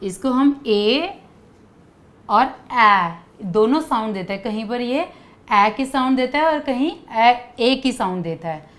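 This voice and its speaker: A woman's voice: a little high, lively intonation, measured pace, fairly bright tone. A woman teaching young children, coaxing them with questions and asking them to repeat sounds after her. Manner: coaxing, asks kids to repeat. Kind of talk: children's lesson.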